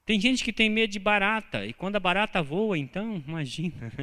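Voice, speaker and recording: A man with a Brazilian Portuguese accent preaching a sermon as pastor, telling humorous personal stories with animated delivery. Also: sits high, a little fast. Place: church sanctuary. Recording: church hall reverb.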